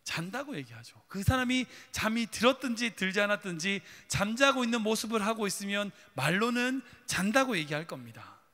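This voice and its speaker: Male pastor, sermon, dramatic rhetorical questions, bright high voice, long church reverb. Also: very animated, fairly quick, hardly any pauses. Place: church sanctuary.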